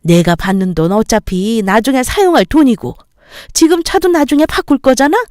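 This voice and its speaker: A woman's voice: on the high side, moderate pace, a little mellow, dry recording, clean studio sound, close to an everyday voice. A woman voicing a greedy older mother-in-law who nags and lectures condescendingly in a dramatized story reading. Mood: scolding.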